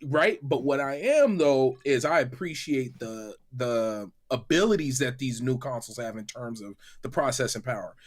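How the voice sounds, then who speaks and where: A man's voice: medium pitch, expressive, moderate pace, hardly any pauses. A man in a casual gaming podcast chat, emphatic and slangy, often repeating phrases for emphasis. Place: online group call from separate rooms.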